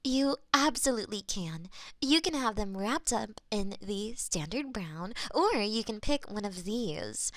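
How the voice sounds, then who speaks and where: A woman performing a gentle audio roleplay as a florist friend, soft-spoken and a little flustered, recorded on a binaural microphone. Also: mid-range voice, lively intonation, measured pace, no echo.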